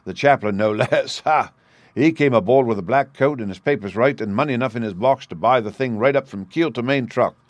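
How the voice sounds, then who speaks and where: A man's voice: medium pitch, fairly quick, dry recording, natural voice. A man doing a swaggering boastful convict ringleader. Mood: scheming. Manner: boisterous, boastful with laughs.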